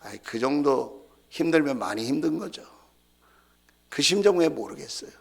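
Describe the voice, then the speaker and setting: A man preaches in a church with a high, sweeping voice that leaps about in pitch. He builds emphatic waves of repeated phrases, rising to shouts and dropping to hushed near-whispers. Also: lively intonation, normal speed, vocal fry. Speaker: senior pastor. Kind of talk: Wednesday prayer-meeting sermon. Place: church sanctuary.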